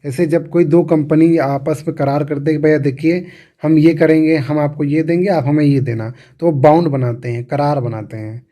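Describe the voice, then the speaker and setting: Male teacher, slightly high, mellow tone, patient, repeats points for students. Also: fairly even intonation, normal speed. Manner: repeats and restarts words, asks the class questions. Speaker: English teacher. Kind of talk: explaining grammar to students.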